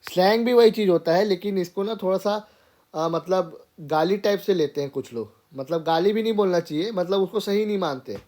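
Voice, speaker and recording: A man's voice: high voice, brisk, a little mellow. A man teaching an informal grammar lesson, explaining step by step and often checking in with his students. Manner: explains step by step, keeps checking in with "theek hai". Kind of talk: informal classroom lecture.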